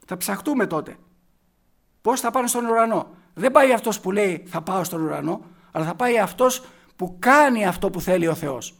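A man with a notably high-pitched voice preaches a sermon. He speaks with emphasis and keeps putting rhetorical questions to his listeners. He drops to quiet, slow passages to stress key words, then rises into loud, forceful bursts. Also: gravelly.

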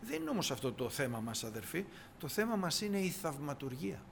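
A man's voice: on the high side, very animated, gravelly, background noise. A man preaching a sermon, reading scripture aloud and retelling it with acted dialogue.

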